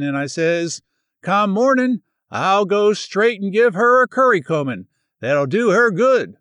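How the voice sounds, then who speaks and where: A chatty old country granny, as a male reader puts her on, her voice high and swooping, spilling out folksy dialect as she rambles. The sound is close and dry. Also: fairly bright tone, clean tone, no room sound. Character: chatty old rural countrywoman, warm-hearted.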